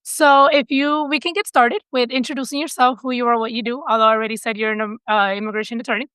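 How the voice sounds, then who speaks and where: Chatty podcast host, woman, bright and smooth voice, dry close mic. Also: fairly high pitch, fairly even intonation, fast, dry recording. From Dominican heritage, US-raised. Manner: chatty, rambling, laughs often. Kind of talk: casual interview chat.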